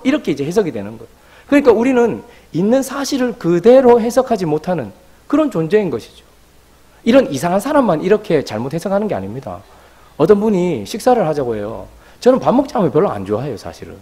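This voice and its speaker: A man's voice: high-pitched, slightly rough. A man preaching a sermon as pastor, telling a story and acting out the voices of people in it. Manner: animated, acts out quoted voices.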